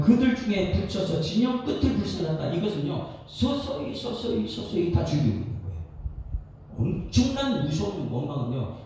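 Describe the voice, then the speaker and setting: A male pastor gives an animated dawn sermon and puts questions to his congregation, heard from a distant mic in an echoey church. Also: on the high side. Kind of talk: expository sermon at a dawn prayer service. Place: church sanctuary. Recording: echoey hall, distant mic, faint noise.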